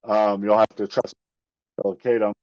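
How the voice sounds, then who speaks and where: A man's voice: on the low side, little pitch movement, darkish tone, dry recording. Man breaking up on a bad call. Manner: halting, with many fillers and restarts. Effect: voice cutting out over a bad call connection. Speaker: seminar presenter. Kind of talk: informal nature talk on a video call. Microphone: Bluetooth earbuds on a video call. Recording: dull, dry, choppy call audio.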